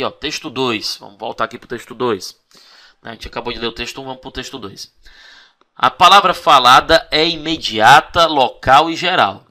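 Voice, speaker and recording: A man teaching an exam-prep video lesson, lively and coaxing, always checking in with his students. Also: mid-range voice.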